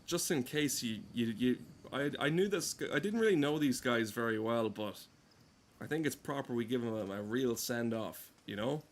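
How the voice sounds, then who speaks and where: A man giving casual gameplay commentary in a deadpan, mock-solemn manner. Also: mid-range voice, a little hiss or hum. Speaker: gameplay streamer. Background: game music.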